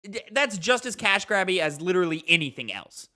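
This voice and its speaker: Bright-voiced, animated man chatting casually. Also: high-pitched, brisk. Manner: swears casually, argumentative. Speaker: podcast co-host. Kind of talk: casual gaming chat.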